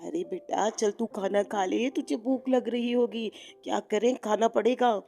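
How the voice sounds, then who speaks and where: A woman plays a bossy middle-aged mother-in-law in a cartoon, loud and pushy, with a gravelly, mellow voice pitched a little high. She scolds and orders as if the house is hers. Music plays underneath. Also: fairly even intonation, unhurried. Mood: coaxing. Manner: shouting, scolding. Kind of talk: Hindi cartoon voice acting. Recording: background music.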